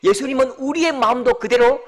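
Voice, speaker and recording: A male pastor preaching a sermon with animated storytelling, dropping to soft whispers for emphasis. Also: very high-pitched, a little fast.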